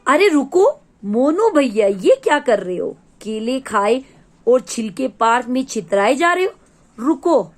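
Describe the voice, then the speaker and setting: A woman's voice: a little high, animated. A woman doing a sad talking garbage bin. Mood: urgent. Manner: slow, pleading storybook reading.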